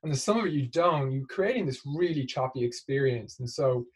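Male executive guest, mid-pitched and slightly rough-voiced, conversational explainer who keeps checking the listener follows. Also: animated, brisk. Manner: explanatory, often seeks agreement with tag questions. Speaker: interview guest, marketing executive. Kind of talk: conversational business interview.

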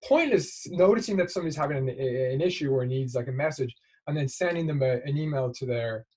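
Male executive guest, mid-pitched and slightly rough-voiced, conversational explainer who keeps checking the listener follows. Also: quick pace, warm tone. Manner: explanatory, often seeks agreement with tag questions. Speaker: interview guest, marketing executive. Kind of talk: conversational business interview.

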